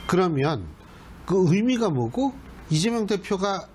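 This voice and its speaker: Male talk show host, polite probing questions, fairly high voice, faint hiss. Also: big pitch swings, unhurried, darkish tone. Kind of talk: broadcast interview questions.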